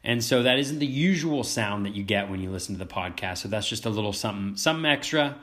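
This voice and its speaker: A man's voice: on the low side, expressive, fast talker, a bit bright. A man with a cold hosts a casual podcast, his voice cracky and sniffly. He talks with eager energy, leaning on fillers as he chats. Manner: enthusiastic, chatty with fillers. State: sick with a cold, sniffling and coughing. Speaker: podcast host.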